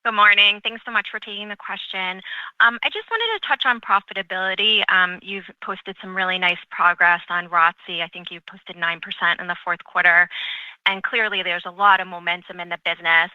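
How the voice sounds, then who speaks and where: A woman's voice: mid-range voice, sharp tone, smooth, no echo. A woman speaking as a financial analyst, politely asking professional questions on an earnings call. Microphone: close phone line. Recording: slightly dull, lo-fi phone call.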